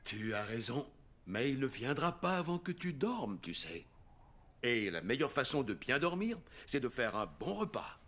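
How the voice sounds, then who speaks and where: A man's voice: mid-range voice, very animated, moderate pace, a bit bright. A man playing a jolly, playful old grandfather in a French-dubbed children's cartoon, theatrical in his delivery. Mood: kindly.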